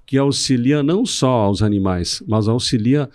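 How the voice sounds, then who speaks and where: A middle-aged man from southern Brazil, a city councilman guest on a podcast, speaking in a measured, speechifying way with some restarts. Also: mid-range voice, darkish tone, dry recording, clean studio sound. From Rio Grande do Sul, Brazil. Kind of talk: podcast interview.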